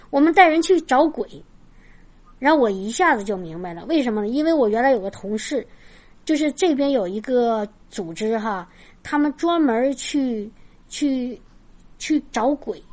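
A woman sharing a personal Christian testimony in casual storytelling, animated, with frequent restarts and bits of quoted dialogue. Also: fairly high pitch. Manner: lively retelling with restarts and laughs.

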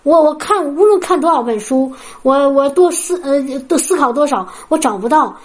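A woman's voice: high-pitched, expressive, moderate pace. A woman from China preaching a sermon. She tells her own testimony in an earnest, storytelling way and speaks directly to her listeners. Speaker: preacher at a healing prayer meeting.

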